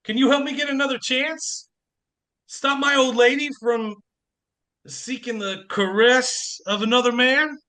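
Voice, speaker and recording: A man's voice: very high voice, steady tone, unhurried, pushed and bright, full character voice. An actor playing a volatile, self-pitying jilted man in a comic radio play, agitated and stammering. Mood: distraught. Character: volatile, desperate jilted man, ex-chorus performer turned hostage-taker.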